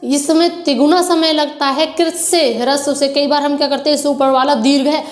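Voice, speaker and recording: Woman, Hindi teacher, high voice, patient explaining, English words mixed in, echoey room. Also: steady tone, moderate pace. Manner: explains patiently, addresses students as children. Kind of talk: exam-prep grammar lesson.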